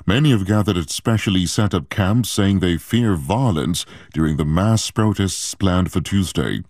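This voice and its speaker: A man reading a radio news bulletin in a measured, formal way. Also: low-pitched, a little mellow, dry recording, clean studio sound. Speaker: newsreader.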